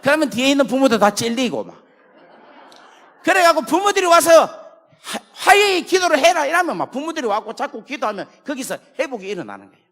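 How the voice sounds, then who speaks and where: A man with a Gyeongsang accent preaching a sermon in a church, telling stories and swinging from hushed asides to shouts. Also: extremely high pitch, sing-song, fast. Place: church sanctuary. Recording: long hall reverb.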